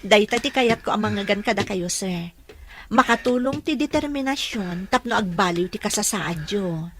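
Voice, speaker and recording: A woman with a Filipino Ilocano accent acting a gentle, deferential young caregiver in an audio drama. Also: medium pitch, expressive, moderate pace, slight background noise. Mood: encouraging.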